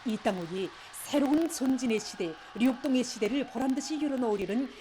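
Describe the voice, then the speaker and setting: High-pitched North Korean woman news announcer. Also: brisk, dark tone, slight background noise. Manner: solemn, declamatory state-broadcast delivery. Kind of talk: formal scripted news narration.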